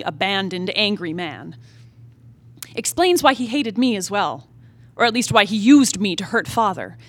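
A woman performing a brooding young married woman in a stage play reading, with formal literary diction and dramatic pauses. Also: mid-range voice, close to an everyday voice. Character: brooding young married woman haunted by her family's past. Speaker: actor. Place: theatre stage, live reading.

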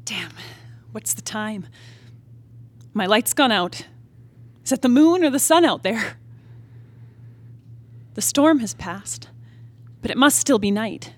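A woman's voice: high voice, expressive, a little slow, pauses often, no echo. A woman acting a restless, defiant young wife in a dramatic stage play reading, yearning and impassioned. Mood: weary, irritated. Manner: theatrical, impassioned soliloquy. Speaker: playwright reading her own play.

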